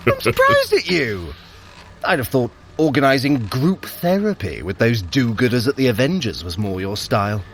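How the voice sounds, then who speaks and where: A man's voice: mid-range voice, wildly swooping pitch, moderate pace, fairly bright tone, a little hiss or hum. An actor playing a sly, haughty trickster god in an audio drama, sardonic, smug and theatrical as he bickers with his brother. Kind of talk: scripted audio drama acting.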